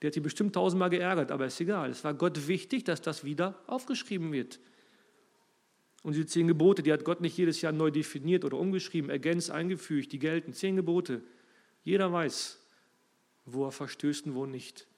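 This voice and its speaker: Speaking briskly with a creaky edge, a preacher gives a sermon in a fairly high register. His loudness rises and falls as he stresses his points and talks straight to the people listening.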